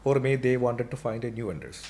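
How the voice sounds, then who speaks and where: A man's voice: medium pitch, animated, brisk, darkish tone, a little hiss or hum. A middle-aged man with an Indian accent answering as a guest in a conversational podcast interview, explaining and repeating phrases for emphasis.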